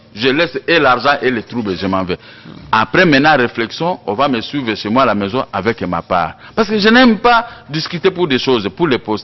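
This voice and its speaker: At a medium pitch and a moderate pace, a man's voice swings very widely in pitch over noticeable background noise. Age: 60s. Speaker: opposition politician. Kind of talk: interview.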